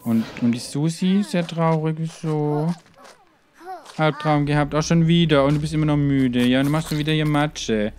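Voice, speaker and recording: A man's voice: on the high side, moderate pace, a little mellow. A man hosting a let's play, talking casually to his game characters with muttered asides and frequent exclamations. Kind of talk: gaming commentary.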